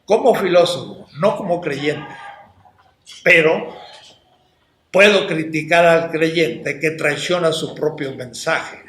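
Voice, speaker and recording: Older male philosophy lecturer, slightly high voice, very slow delivery, roomy hall sound. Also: a bit bright, slight background noise. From Latin America. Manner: slow, deliberate, with rhetorical questions to the class. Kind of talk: university lecture.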